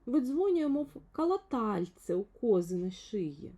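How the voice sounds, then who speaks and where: A woman voicing a pompous, blunt little man in a children's fairy tale, loud and exclamatory. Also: on the high side, big pitch swings, a little slow, breathy edge, pitched above the performer's own voice, full character voice. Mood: grumbling. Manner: loud, exclamatory, self-important.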